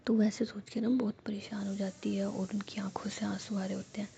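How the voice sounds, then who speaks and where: A woman narrating a romantic story in a steady, casual whisper. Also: medium pitch, a little fast, creaky, a little hiss or hum. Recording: dull lo-fi recording.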